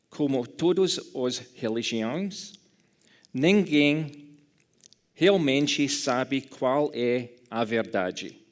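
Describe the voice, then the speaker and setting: A man from Scotland delivers a lecture with a clear Scottish English accent. He talks at a slow, unhurried pace in a mid-range voice, carefully choosing his words and fixing small slips as he goes. A dry humor surfaces now and then. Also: mid-range voice. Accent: Scottish English speaker speaking Portuguese. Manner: careful, halting delivery with self-corrections. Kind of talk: academic lecture in a second language.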